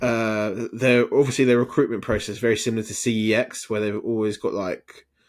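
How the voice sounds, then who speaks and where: On a very clean recording with a silent background, a man with an English accent speaks at a fairly quick pace in a monotone, flat intonation, with hardly any pauses. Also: medium pitch for a man. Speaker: podcast co-host. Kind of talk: casual chat. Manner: mumbling.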